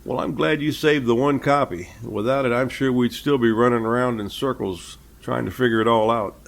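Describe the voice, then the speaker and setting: A man playing a polite, reassuring police captain, speaking in a measured, earnest way in an amateur audio drama. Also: mid-range voice, fairly even intonation, creaky, close to an everyday voice. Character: courteous, reassuring male small-town police captain.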